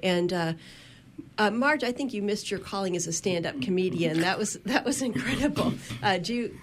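A woman's voice: mid-range voice, animated, normal speed, slight background noise. A woman hosting a radio talk show, introducing guests and taking calls in a conversational way. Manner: conversational, with some fillers. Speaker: radio host. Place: radio studio.

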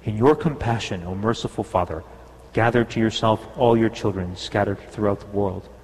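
A male priest reciting the Mass prayers in a large church, in a measured, solemn way. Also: on the low side, a little mellow. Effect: cathedral echo, long reverb. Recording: long cathedral reverb with a faint hum.

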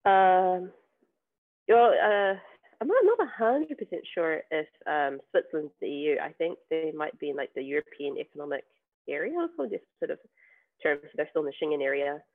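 A man's voice: on the high side, lively intonation, normal speed. A man, a podcast guest talking casually and hesitantly, with many ums and restarts. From New Zealand. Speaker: podcast guest, software tester. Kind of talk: casual interview chat. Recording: tinny phone-like remote call.

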